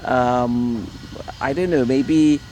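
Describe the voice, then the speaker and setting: A man's voice: medium pitch, fairly even intonation, drawn-out words, warm tone, slight background noise, rough recording. A middle-aged man from Ireland, a Catholic priest speaking as an interview guest at his home, hesitant and full of repeated words and fillers. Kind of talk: relaxed conversational interview.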